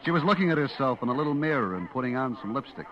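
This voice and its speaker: A man's voice: medium pitch, animated, rapid-fire, noisy background, close to an everyday voice. An actor playing a brash, lovestruck young American supermarket clerk, telling his story confidingly in slangy radio suspense style. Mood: smitten, hushed. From eastern United States. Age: young adult. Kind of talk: 1950s radio suspense acting, first-person narration. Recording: dull vintage radio recording with music.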